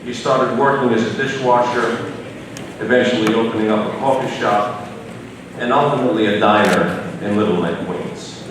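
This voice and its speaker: A middle-aged man giving an earnest, measured prepared speech. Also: mid-range voice. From United States. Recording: echoey hall from far off, noisy.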